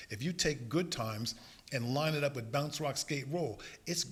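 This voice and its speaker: A man with a New York accent at a moderate pace, with ordinary pitch variation. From New York (Yonkers). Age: 60s. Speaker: musician and record producer. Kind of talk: interview.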